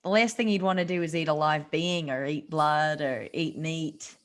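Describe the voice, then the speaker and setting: A woman's voice: low voice, moderate pace, natural voice. A woman playing an earnest, pleading, newly turned vampire in a comedy table read. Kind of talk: video-call table read of a comedy film script. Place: remote video-call reading.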